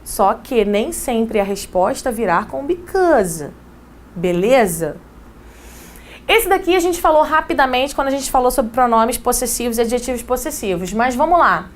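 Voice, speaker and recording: A woman's voice: a little high, very animated, moderate pace, slight background noise. Chatty woman teaching English. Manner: casual, chatty teacher who addresses students directly. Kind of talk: exam-prep English lesson.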